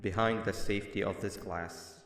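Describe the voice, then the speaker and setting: A scheming video game mascot monster played by a man talks in a low voice with smooth, mock-polite persuasion. He carries himself like a principal with bad intentions, and his words ring with long, echoing reverb. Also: fairly even intonation, moderate pace, fairly bright tone. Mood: falsely apologetic. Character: manipulative male monster mascot posing as school principal. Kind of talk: video game character dialogue.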